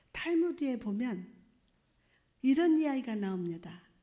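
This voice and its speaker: In a high voice with lively intonation, a woman speaks amid audible room echo. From South Chungcheong, Korea. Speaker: pastor. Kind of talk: sermon.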